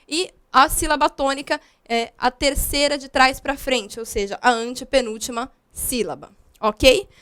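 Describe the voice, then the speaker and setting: A young woman from Brazil with a high, bright voice gives a recorded grammar lesson. She explains step by step, patient and unhurried, with frequent small fillers between points. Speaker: grammar teacher.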